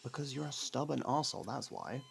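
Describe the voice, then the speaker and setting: A man playing a gruff, guarded convict who hides a fondness for a detective partner, speaking hesitantly and defensively in an intimate audio roleplay. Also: medium pitch, animated, fast, slight background noise. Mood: exasperated concern. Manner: defensive, hesitant, sardonic, with stammered denials.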